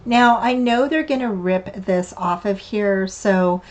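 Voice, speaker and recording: An older woman, hosting a card-making tutorial in a casual, rambling way with many fillers. Her voice is a little raspy and hoarse from a lingering cough. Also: mid-range voice, slow pace, a little mellow. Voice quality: slightly raspy. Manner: chatty, meandering, with many fillers and restarts. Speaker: craft channel host. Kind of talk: casual craft tutorial narration.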